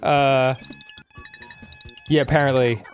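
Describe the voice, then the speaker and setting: A man's voice: medium pitch, flat delivery, takes it slowly, faint music behind. A man co-hosting a casual let's-play, talking in a laid-back, rambling way and laughing easily. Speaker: co-host.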